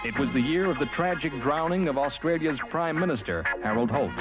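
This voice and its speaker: A man's voice: on the high side, expressive, a little fast, lo-fi sound. A man reading scripted documentary narration as a radio announcer on a 1970s aircheck. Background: loud music.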